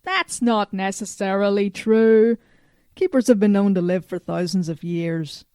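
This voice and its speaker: A woman's voice: mid-range voice, measured pace, darkish tone, clean tone, no room sound, clean studio sound, lightly acted. A woman playing a blunt, self-assured robot from the future in an audio drama, matter-of-fact and a little condescending.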